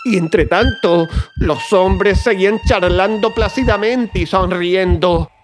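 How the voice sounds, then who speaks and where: Crazed murderer confessing, high-pitched. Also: male voice. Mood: desperate, horrified. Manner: theatrical, agitated, drawn-out emphatic delivery. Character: crazed, tormented male murderer confessing his crime. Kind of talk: dramatized first-person horror audiobook narration. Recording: music behind the voice.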